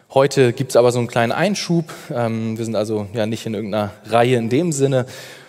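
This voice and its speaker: A plain, everyday voice at a moderate pace with ordinary pitch variation. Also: man. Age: 20s. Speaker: youth preacher, medical student. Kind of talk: sermon. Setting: church service with live audience and livestream.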